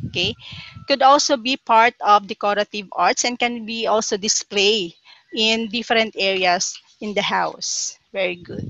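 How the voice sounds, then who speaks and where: A woman speaks at a fairly slow pace with ordinary pitch variation, her voice dry with no echo against a quiet background. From Philippines. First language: Filipino. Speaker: teacher. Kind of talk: online class lecture. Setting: online class. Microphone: webcam.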